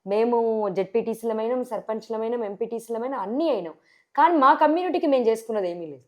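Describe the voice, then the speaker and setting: A woman speaking with a Telangana Telugu accent answers questions as a sarpanch candidate in a TV interview. She talks fast, her voice a little high, pressing her points forcefully and firing off rhetorical questions.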